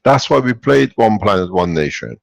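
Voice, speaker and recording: A low-pitched man with a gravelly, husky voice talks in a dry, close sound. He speaks in long, rambling stretches and cuts into the caller's replies. His tone is insistent as he lectures. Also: very animated, moderate pace, no room sound. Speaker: workshop speaker answering callers. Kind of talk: spiritual talk and Q&A.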